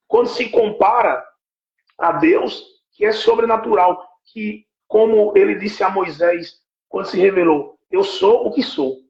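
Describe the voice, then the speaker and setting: A man's voice: sits high, vocal fry. A man, giving a teaching talk on a live stream and often checking that his listener follows. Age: 40s. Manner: explanatory, keeps checking with "right?". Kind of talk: teaching talk on spiritual warfare. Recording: echoey, dull lo-fi live stream.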